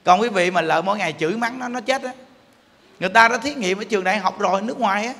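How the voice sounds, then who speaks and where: A monk preaches in a high, bright voice, teasing and addressing his listeners directly. His words ring out with a long reverb in a temple hall. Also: fast. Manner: animated, joking, addresses the audience directly. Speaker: Buddhist monk giving a dharma talk. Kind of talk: sermon.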